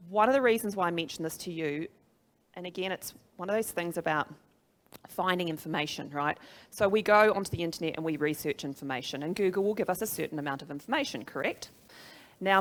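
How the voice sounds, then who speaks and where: A middle-aged woman with a New Zealand accent presenting to a live audience as a business trainer, conversational and emphatic, often putting questions to her listeners. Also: fairly low pitch. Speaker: social media trainer and speaker.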